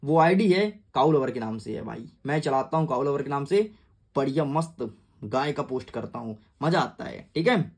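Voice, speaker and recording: A man's voice: medium pitch, expressive, moderate pace, vocal fry, breathy edge. A young man teaching an exam-prep lesson in a casual, chatty way, talking to his students like friends. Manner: chatty, calls students "yaar" and "bhai".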